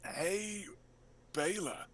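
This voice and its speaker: A man working as game master, narrating a tabletop role-playing game in a casual, halting, improvised way. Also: high voice, a bit bright.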